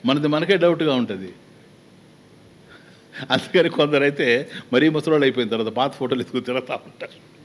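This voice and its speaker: A man's voice: medium pitch, a little fast, long pauses. A man with a Telugu accent giving a spiritual discourse as a swami, talking conversationally with many rhetorical questions and acted-out little exchanges.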